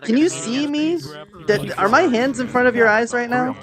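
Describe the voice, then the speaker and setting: A woman chatting casually while roleplaying in a social VR game, with a drawn-out, playful delivery. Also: on the high side, a crowd in the background. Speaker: roleplay streamer.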